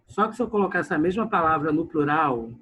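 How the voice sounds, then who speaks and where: A man's voice: a little high, animated, fast talker, a bit bright, husky, poor audio. A male grammar teacher, giving an online lesson and often calling out to his class while he stretches words for emphasis. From Brazil.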